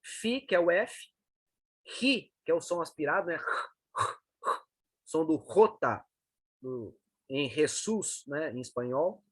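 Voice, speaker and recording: A man's voice: on the high side, animated, slow, long pauses, husky, dry recording. A man giving a lesson, walking through letters and checking in with the listener often. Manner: explanatory, frequent checking tags like "né" and "tá". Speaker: teacher. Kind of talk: lesson on reading the Greek alphabet.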